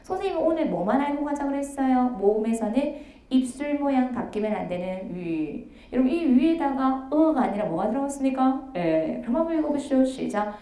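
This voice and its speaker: A woman teaching an online language lesson, briskly cueing each sound and modelling it again and again for students to repeat. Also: sits high, expressive, mellow. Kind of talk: online lecture with call-and-response drills. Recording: echoey room.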